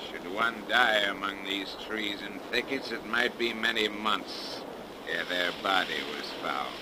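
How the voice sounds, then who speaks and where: An actor in a 1930s radio drama playing a menacing, cursed sea captain who speaks in archaic, theatrical, halting phrases. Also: male voice, on the low side, lightly acted. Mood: brooding. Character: brooding, menacing, God-hating cursed old sea captain. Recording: noisy 1930s radio broadcast.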